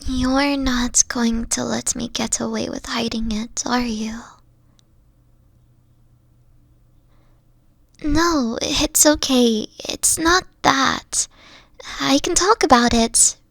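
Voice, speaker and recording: A young woman voicing a weary, gentle fox-spirit girlfriend in an audio roleplay, soft-spoken and hesitant, often trailing off. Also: fairly high pitch, slow pace, gravelly, no echo, heavily acted. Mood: vulnerable.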